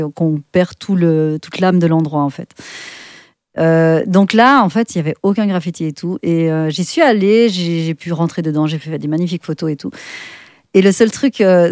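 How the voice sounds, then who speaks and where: A middle-aged woman with a Swiss French accent, chatting as a guest in an interview, full of fillers and restarts and quick to laugh. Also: lowish voice, a little mellow, no room sound, clean studio sound. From Switzerland. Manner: chatty, many fillers and self-corrections, laughs often. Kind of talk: casual interview chat.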